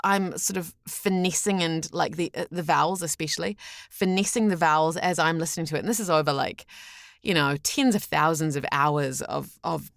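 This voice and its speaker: A woman with a New Zealand accent chatting as an interview guest, telling anecdotes in a halting, chatty way full of "like". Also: deep voice, gravelly, dry recording, studio quality. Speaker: podcast guest, voice actor.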